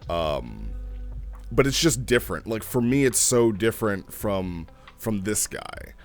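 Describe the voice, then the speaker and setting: A man's voice: fairly low pitch, sing-song, unhurried, faint music behind. A man giving a casual, off-the-cuff review as a host, thinking aloud and repeating phrases for emphasis. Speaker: host reviewing a text role-play.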